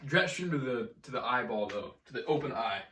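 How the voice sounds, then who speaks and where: A young man co-hosting a casual podcast, cracking jokes and laughing easily. His voice sits at an average pitch. The sound is roomy and echoey, picked up from some distance away. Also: expressive, brisk, bright, forceful tone, slight background noise. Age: young adult. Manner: joking, laughs often. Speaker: podcast co-host. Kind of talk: casual chat. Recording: echoey room, mic at a distance.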